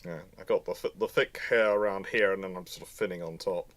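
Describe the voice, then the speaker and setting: A man hosting a live history stream in casual chat, with a halting, rambling way of talking that often repeats words. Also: sits low, fairly even intonation, fairly bright tone. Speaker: host of a live history question show; history lecturer.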